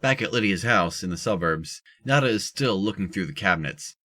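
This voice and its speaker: A very low-pitched narrator for an audio drama. The delivery is scripted narration, describing the characters' actions as they happen. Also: expressive, fairly quick, bright, forceful tone.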